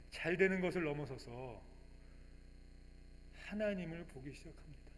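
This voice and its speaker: A male pastor preaching a sermon with emphasis. He voices his congregation's questions in a casual tone and moves between quiet reflection and loud fervent declarations. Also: fairly high pitch, in a large hall, slight background noise. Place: church sanctuary.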